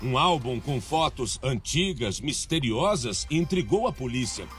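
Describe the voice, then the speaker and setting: Lively Brazilian male news reporter. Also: mid-range voice, soft background music. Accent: Brazilian Portuguese. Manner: measured, emphatic reporter delivery. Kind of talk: scripted news narration and street interviews.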